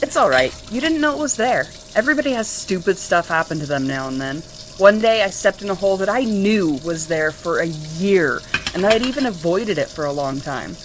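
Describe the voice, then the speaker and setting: A woman's voice: lowish voice, very animated, brisk, slight background noise, poor audio. A woman playing a cheerful, chatty, affectionate young girlfriend in an amateur audio drama. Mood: reassuring.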